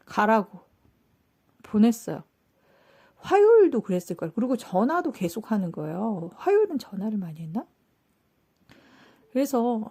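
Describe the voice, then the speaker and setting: Mellow-voiced woman telling a story. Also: medium pitch. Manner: animated, acts out quoted dialogue. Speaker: channel host telling a story. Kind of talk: casual storytelling monologue.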